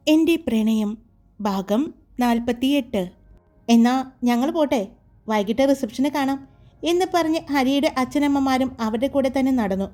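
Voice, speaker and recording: A woman reading a serialized romance story aloud in a calm, even storytelling voice. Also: high voice, measured pace.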